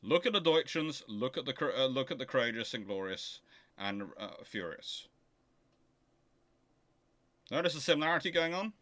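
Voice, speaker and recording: A man of mid-range pitch speaks at normal speed, with long pauses and no echo, hosting a casual naval history question-and-answer livestream. His rambling answers are emphatic and animated, argumentative in tone, and full of self-corrections.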